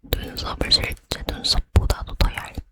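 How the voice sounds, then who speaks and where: A woman doing a whispered role-play as a chatty, boy-crazy young woman getting ready to go out, leaning in to whisper in a breathy hush. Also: normal speed, close to an everyday voice. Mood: chatty, determined. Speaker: ASMR creator.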